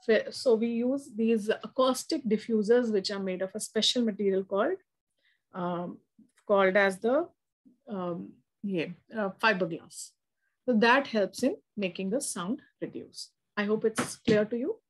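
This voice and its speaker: A woman's voice: mid-range voice, measured pace, poor audio. A woman with a South Asian accent tutoring a student in physics, explaining and often checking understanding with short tags. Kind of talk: one-to-one spoken lesson.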